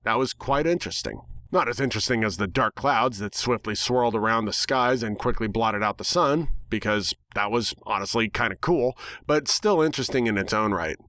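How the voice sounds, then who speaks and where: Dry-sounding man narrating, wry and deadpan. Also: lowish voice, fairly quick, no echo. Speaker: narrator, dramatic reader. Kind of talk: scripted first-person story narration.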